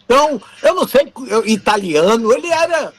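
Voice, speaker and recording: Speaking at a normal speed with a very high, expressive voice, this fiftysomething Brazilian recounts stories in an interview. He used to work as a TV camera operator and performs the dialogue as he goes.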